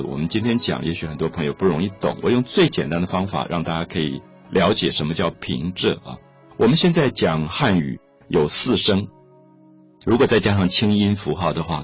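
A man's voice: low-pitched, breathy edge. A man giving a patient lecture on classical poetry, repeating key points and stretching out his particles. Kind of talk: explanatory lecture. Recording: dull lo-fi recording with faint music.

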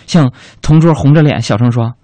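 A man's voice: mid-range voice, moderate pace, warm tone, dry recording. A man hosting a comic radio talk show, reading listener messages in a playful, self-mocking storytelling way.

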